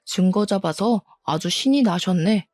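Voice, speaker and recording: A woman's voice: mid-range voice, lively intonation, moderate pace, darkish tone, no room sound, natural voice. A woman voicing a cheating middle-aged husband who blusters, shifts the blame and scorns his wife. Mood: defensive, scornful.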